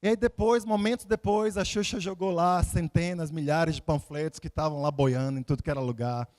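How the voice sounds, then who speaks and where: This Salvador, Bahia preacher has a notably high yet darkish voice, steady in tone and fairly quick. Like a storyteller, he weaves anecdotes and scripture into a conversational sermon, repeating phrases and asking rhetorical questions.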